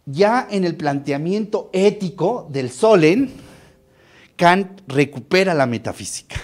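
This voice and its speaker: A man with a Mexican accent giving a university lecture, animated, addressing students with rhetorical questions. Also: high-pitched, slow pace. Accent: Mexican Spanish.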